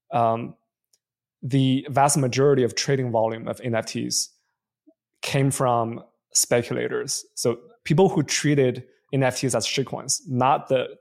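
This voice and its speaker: Gravelly-voiced male investor, thoughtful. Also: mid-range voice, a little mellow. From Canada. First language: Chinese. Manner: thoughtful, frequent fillers and restarts. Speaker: venture investor guest. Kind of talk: conversational interview answers.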